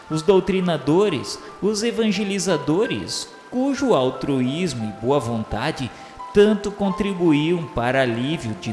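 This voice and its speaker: A man's voice: mid-range voice, close to an everyday voice. A man with a Brazilian accent playing a repentant spirit who narrates a radio novela in a solemn, florid, declamatory way. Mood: solemn, tender. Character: repentant male spirit solemnly recounting his afterlife rehabilitation. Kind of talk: scripted first-person radio drama narration. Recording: echoey reverberant hall over faint music.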